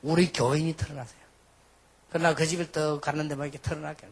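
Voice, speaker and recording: A man's voice: on the high side, fairly even intonation, fast talker, creaky. A man from Busan with a Busan accent, preaching a sermon as a pastor in a colloquial, emphatic manner with rhetorical questions. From Busan, South Korea. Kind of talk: sermon with personal anecdotes.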